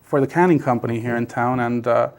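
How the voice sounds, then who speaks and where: Halting middle-aged man from South Texas. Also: mid-range voice, darkish tone. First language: Basque. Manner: halting, many fillers and restarts. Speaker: interview guest. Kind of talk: casual storytelling.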